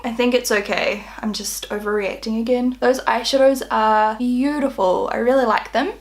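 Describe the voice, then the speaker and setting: A talkative woman vlogger walks through her makeup in a relaxed, casual chat. Her voice sits a little higher than most, and her delivery stays bubbly and friendly, with lots of "like" sprinkled in. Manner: chatty, bubbly, peppered with "like". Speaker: beauty vlogger.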